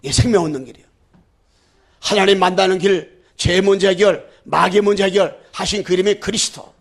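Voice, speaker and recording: Fervent Korean pastor with a high gravelly voice. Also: male voice, a little fast. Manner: fervent preaching, with sudden loud declarations and low asides; leads the congregation in call-and-repeat. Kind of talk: sermon.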